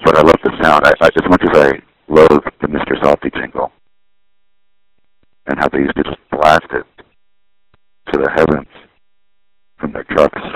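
A man's voice: very deep voice, flat delivery, normal speed, long pauses, a bit bright, dry recording, low-quality recording. A middle-aged man talking over a payphone line from a city street, musing and rambling, often correcting himself. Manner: musing, digressive, self-correcting. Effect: heard over a payphone line. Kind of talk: rambling monologue on a phone line.

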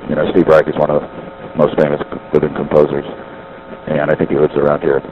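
Middle-aged man, very low voice, monotone, payphone line, dull lo-fi sound, rambling. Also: fast talker, a little hiss or hum. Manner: musing, digressive, self-correcting. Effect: heard over a payphone line. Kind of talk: rambling monologue on a phone line. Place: city street payphones.

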